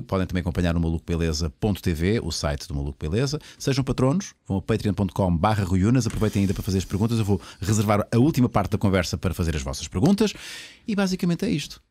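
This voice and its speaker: A man's voice: low voice, a little mellow, no room sound. A man with a European Portuguese accent hosting a podcast, joking and teasing his guest with casual swearing. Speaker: podcast host. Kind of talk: casual banter.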